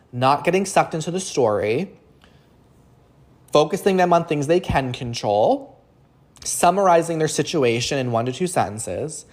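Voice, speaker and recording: A man's voice: mid-range voice, darkish tone. Man teaching coaching tips on a podcast. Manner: instructive, emphatic, repeats key phrases. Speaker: podcast host and coaching academy founder.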